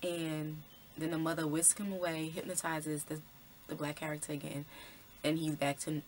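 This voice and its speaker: Low-voiced woman casually breaking down a film. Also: level tone, normal speed, a little hiss or hum. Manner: conversational, many fillers like "um" and "like". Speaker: vlogger.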